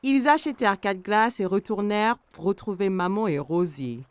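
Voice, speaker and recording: A woman with a mid-range voice narrates a scripted children's story expressively, as a storyteller would. She speaks at a normal speed over soft background music.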